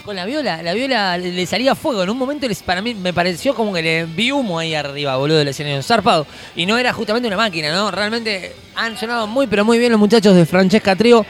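Man, Argentine accent, high voice, live show host, chatty, slangy, enthusiastic. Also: fast talker, few pauses, fairly bright tone, faint music behind. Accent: Argentine Spanish. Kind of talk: casual live broadcast chat. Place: live music venue.

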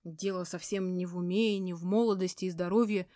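A woman's voice: on the low side, steady tone, a little fast, mellow, dry recording, close to an everyday voice. A woman reading an audiobook voices a hurt, bewildered man defending himself, in a subdued manner close to her own voice. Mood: hurt, defensive.

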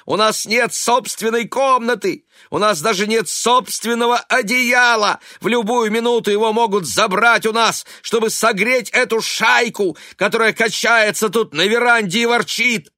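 A man's voice: high-pitched, moderate pace, hardly any pauses, sharp tone, no echo, studio quality, voice pushed up. A man playing a bitter, desperate young adult son, with a strained, pleading delivery. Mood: frantic. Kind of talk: audiobook character voice.

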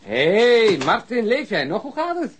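An actor playing a hurried, irreverent male police colleague in a radio play, informal and excitable. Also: sits high, husky, heavily acted. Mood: cheerful, hurried. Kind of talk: naturalistic radio play dialogue.

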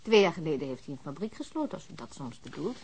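An actress playing a composed, businesslike office secretary in a radio drama, formal and matter-of-fact. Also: female voice, low-pitched, big pitch swings, quick pace, a little mellow, a little hiss or hum. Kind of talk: Dutch radio drama dialogue.

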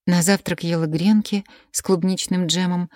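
A woman narrating a first-person audiobook in a quiet, measured reading voice on a close mic. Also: on the low side, fairly even intonation, no echo.

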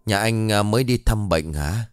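A man's voice: on the low side, moderate pace, smooth, no room sound, clean studio sound, lightly acted. A man voicing a ragged old beggar who speaks in curt, ominous riddles in a ghost story.

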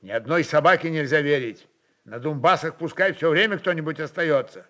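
A man plays a stern Cossack officer in an audio drama. He hands out curt orders briskly, with a commanding manner. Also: on the high side, a bit bright, close to an everyday voice.

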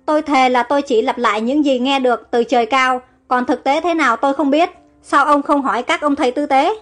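A woman voicing a brave, quick-witted young prophetess who speaks urgently and pleads. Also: high voice, fairly even intonation, soft background music, lightly acted.

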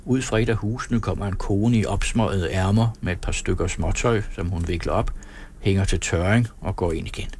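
A man reading a novel aloud in steady, descriptive scripted narration. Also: low-pitched, a little hiss or hum. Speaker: audiobook narrator.

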